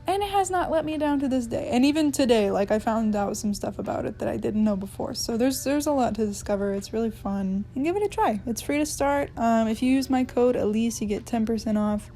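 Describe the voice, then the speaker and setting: A chatty young woman in her twenties talks straight to the camera from her living room, her voice sitting a little high. She is animated and excitable, with lots of filler words. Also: brisk, hardly any pauses, slight background noise. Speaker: language-learning vlogger. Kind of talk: casual chat to camera.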